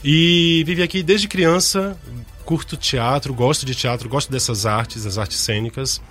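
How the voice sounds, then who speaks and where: Middle-aged theatre director. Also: male voice, medium pitch, a little slow, soft background music. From Bahia, Brazil. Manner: relaxed, warm storytelling with frequent "né?". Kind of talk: interview guest.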